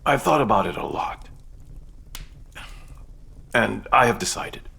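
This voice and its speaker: A man's voice: fairly low pitch, expressive, slow pace, creaky, bright, forceful tone, slightly rough, exaggerated voice. An actor playing an impulsive married man who blurts out a marriage proposal, in dubbed film dialogue. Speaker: man proposing to a young woman.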